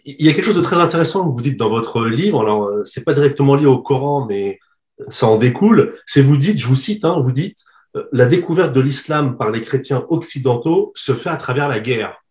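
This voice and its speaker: A man's voice: mid-range voice, lively intonation, a little fast, a little mellow. Male interviewer rephrasing his questions. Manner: quotes the book, rephrases as he asks. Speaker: interview host.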